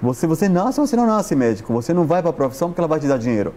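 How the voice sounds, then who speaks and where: A very animated Brazilian man in his forties, appearing as a fashion stylist guest, chats rapid-fire in a warm voice on the high side. Seated on a TV studio sofa with a lapel mic, he talks with his hands and keeps tacking tag questions onto his sentences in this casual interview.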